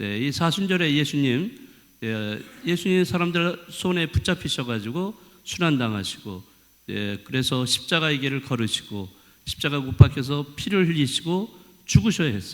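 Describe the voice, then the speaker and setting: A man speaks at a fairly high pitch and a moderate pace. His pitch swings very widely. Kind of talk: sermon. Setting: church, Sunday Mass. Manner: conversational, many filler words.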